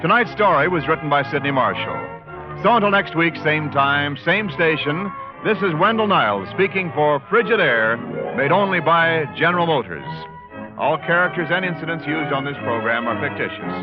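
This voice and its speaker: A man's voice: fairly high pitch, lively intonation, moderate pace. A man reading scripted announcements in the style of 1940s radio. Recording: dull old-time radio recording. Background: music.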